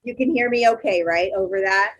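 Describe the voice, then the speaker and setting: A woman teaching a live online yoga class, cueing poses step by step in a loud, encouraging, chatty way over a video call. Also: medium pitch, a little fast, slight background noise, low-quality recording. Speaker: yoga instructor.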